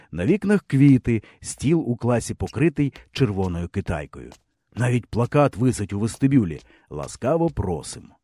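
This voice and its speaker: A man reading a first-person novel aloud with expressive storytelling. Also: mid-range voice, slightly rough, no room sound. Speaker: audiobook reader. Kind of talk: audiobook narration.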